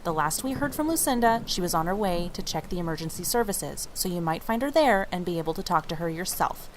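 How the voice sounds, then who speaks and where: A woman playing a diplomatic, conciliatory young woman in an audio drama, speaking politely and in a measured way. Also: lowish voice, expressive, noisy background, natural voice. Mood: polite, firm.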